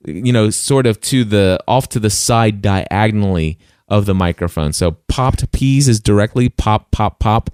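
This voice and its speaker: A man's voice: fairly low pitch, darkish tone, clean tone, no echo. A man hosting a podcast, giving casual how-to advice close on a studio mic with enthusiasm. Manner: enthusiastic, demonstrates with sounds. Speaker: podcast host.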